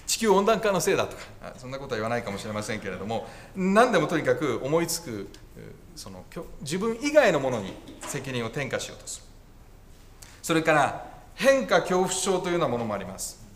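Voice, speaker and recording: A man's voice: mid-range voice, big pitch swings, fairly quick, slight background noise. A male pastor preaching a conversational sermon with wry asides and self-corrections.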